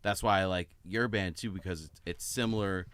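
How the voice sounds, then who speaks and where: A man's voice: low-pitched, fairly quick, fairly bright tone, smooth. A man chatting casually as a guest musician on a podcast, telling stories in an easygoing, rambling way.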